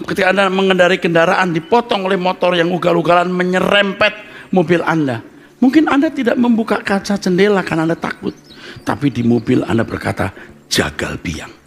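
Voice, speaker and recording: A male pastor preaching a live sermon to a congregation, swinging between hushed asides and loud emphatic bursts and joking with the listeners. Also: high voice, expressive, brisk. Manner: jokes with and teases the congregation. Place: church service with live congregation.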